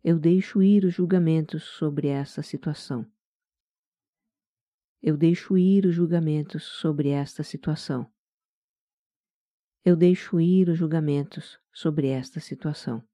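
A Brazilian-accented voice leads a guided meditation with a very dark, velvety tone. The delivery is gentle, calm and soft-spoken, like scripted relaxation narration. The sound is close and dry, with no room around it. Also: mid-range voice, a little slow, long pauses, no room sound.

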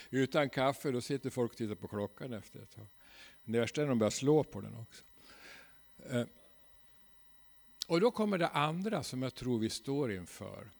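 A man's voice: mid-range voice, expressive, creaky, long pauses. A Swedish man preaching a church seminar in a folksy, ironic way, often tagging his sentences with a questioning "va?". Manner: folksy, ironic, frequent tag "va?". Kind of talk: seminar sermon. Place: church hall.

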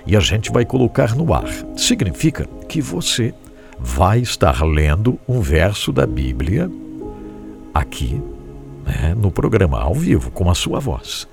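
A Brazilian man hosting a Christian radio program from a studio, his voice low and gravelly. He talks in a lively, swooping way, urging listeners on and repeating himself for emphasis. Music plays clearly behind him. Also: a little slow. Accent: Brazilian Portuguese. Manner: animated and encouraging, repeats phrases. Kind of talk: devotional radio show, addressing listeners.

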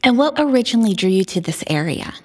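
Female interview host, clear and prepared. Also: medium pitch, big pitch swings, quick pace, darkish tone. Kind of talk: scripted host questions.

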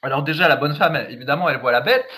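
A man's voice: fairly high pitch, rapid-fire, heavy background noise. A man co-hosting a podcast in casual chat, joking and telling stories with frequent laughs. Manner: joking, laughs often, storytelling. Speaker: podcast co-host.

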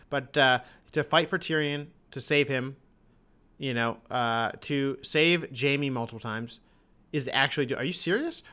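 A young man hosting a podcast, recapping an episode in a casual, exasperated rant that keeps jumping up in pitch on his questions. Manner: exasperated, animated ranting with rising pitch on questions. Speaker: podcast host.

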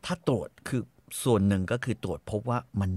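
A man's voice: fairly low pitch, fairly quick, dark tone, no room sound. A man in casual chat who tells stories with lots of feeling, swears freely and acts out the people he quotes.

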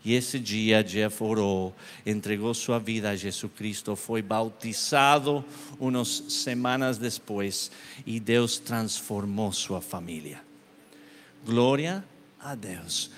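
A man preaching a sermon and telling a story, impassioned, his voice swinging from hushed to loud. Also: lowish voice, long reverb tail, a little hiss or hum.

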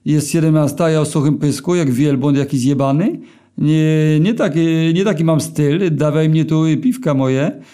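A man's voice: on the high side, moderate pace, dark tone, close to an everyday voice. A man as a crude, demanding slob. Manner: coarse, swearing, demanding. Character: crude, slovenly young man, greedy and excitable.

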